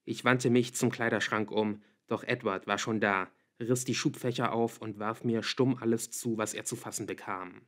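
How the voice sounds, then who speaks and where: A man narrating an audiobook in an even, measured reading. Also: lowish voice. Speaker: audiobook reader.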